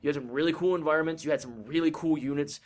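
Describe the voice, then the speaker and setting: Casting: male podcast co-host, rapid delivery, fairly high register, earnest and opinionated gamer chat. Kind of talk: casual gaming chat.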